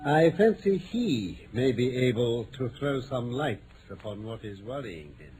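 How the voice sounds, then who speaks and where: An urbane English detective speaks with precise, drily teasing wit in an old radio play. His intonation swings widely around a medium pitch. A faint noise runs through the vintage recording. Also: big pitch swings, measured pace, mellow, rough recording. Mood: dry teasing. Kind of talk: vintage radio drama acting.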